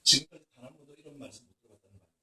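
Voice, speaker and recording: 남자 목사가 학생들에게 생생한 이야기를 섞어 가며 부흥회 설교를 하고, 중간중간 힘주어 외치듯 강조합니다. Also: male voice, racing, a little hiss or hum. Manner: animated storytelling with emphatic outbursts. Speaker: pastor. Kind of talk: revival sermon to students. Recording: echoey hall from far off.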